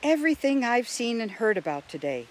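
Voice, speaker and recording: A man's voice: very high voice, sing-song, a little fast, voice pushed up. A man voicing a curious, earnest young girl in a children's storybook. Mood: amazed. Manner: earnest, inquisitive.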